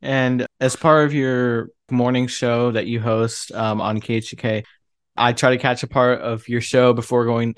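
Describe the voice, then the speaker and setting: A man's voice: medium pitch, no echo, clean studio sound. A young man, a student, asking a radio host polite, slightly hesitant interview questions.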